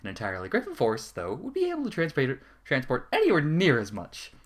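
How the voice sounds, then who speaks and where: A man's voice: a little high, wildly swooping pitch, brisk. A man giving a dramatic, formal reading of a fan fiction letter as narrator, with the odd stumble.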